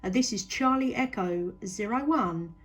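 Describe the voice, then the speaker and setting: A woman's voice: medium pitch, a little slow, background noise. A woman with a southern English accent, speaking casually as a radio operator making a long-distance contact.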